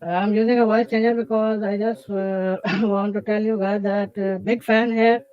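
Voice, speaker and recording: A man's voice: high-pitched, level tone, moderate pace, smooth, dry recording, lo-fi sound. A man calling in with his voice disguised by a voice changer, hesitant, with lots of uh's and a polite "sir". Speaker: caller. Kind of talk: casual call-in chat.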